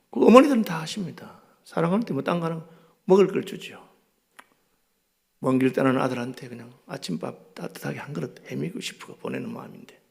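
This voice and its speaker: A man with a Gyeongsang accent preaching a revival sermon, telling stories animatedly and swinging between loud bursts and hushed asides. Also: mid-range voice, vocal fry. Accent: Gyeongsang Korean. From Gyeongsang, South Korea.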